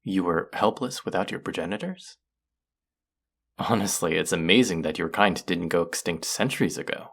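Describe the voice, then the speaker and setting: In an audio roleplay, an actor voices a haughty, cultured alien buyer who mocks the listener with curious amusement. His low voice carries vocal fry, and he speaks in a deliberate, condescending, theatrical way.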